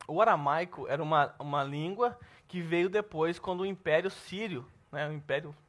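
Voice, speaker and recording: A Brazilian man teaching a Bible class at church, lively and asking the class questions. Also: on the high side, moderate pace. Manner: lively, asks the class questions, says "tá bom?" often.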